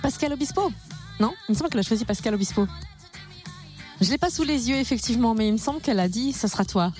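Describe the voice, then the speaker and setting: Quick, bubbly female radio host, fairly high voice, faint music behind. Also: expressive, darkish tone. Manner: bubbly, exclamatory, laughs often. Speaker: radio morning show host. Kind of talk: lively radio chat.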